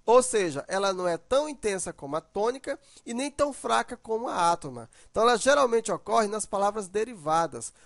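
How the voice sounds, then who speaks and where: A man teaches a grammar lesson in a fairly high voice. He explains patiently, tags his sentences with little questions, and stretches out example words to show how they sound. The recording is dry and close, with no room sound. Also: no echo. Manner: tag questions sprinkled through.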